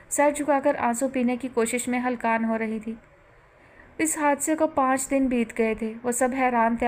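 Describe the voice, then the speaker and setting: Woman narrating a romance novel. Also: a little high. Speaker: audiobook narrator.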